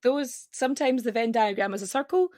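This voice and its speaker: A woman guest with a regional accent on a podcast, chatting casually and rapidly, cutting herself off with fillers. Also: a little high, a little mellow, no room sound, studio quality. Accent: non-standard regional accent. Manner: rapid, self-interrupting, with frequent fillers.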